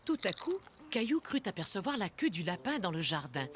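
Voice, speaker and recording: A woman narrator reading a scripted children's cartoon story with expressive storytelling. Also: mid-range voice, brisk. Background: prominent music.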